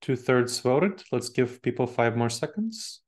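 Man, 40s, eastern european accent, online talk, chatty, middle pitch, video call from a home office. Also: expressive, unhurried. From Moldova. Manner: chatty, engaged with a live chat, laughs easily. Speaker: speaker. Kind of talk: online presentation to professionals. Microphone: webcam video call with earbuds.

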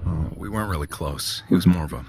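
Very deep, dry-voiced man, acted, noisy background. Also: lively intonation, fast talker, darkish tone. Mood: dry, skeptical. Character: awkward, low-key man, dry and skeptical. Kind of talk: audio drama acting with narration. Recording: noisy, car-like background hum.

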